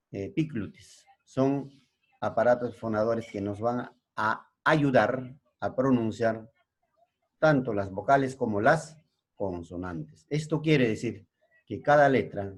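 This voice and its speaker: A middle-aged male secondary school teacher with a Peruvian Spanish accent gives a slow classroom lesson. He keeps checking in with his pupils. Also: fairly low pitch. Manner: slow, explanatory, frequent checking tags.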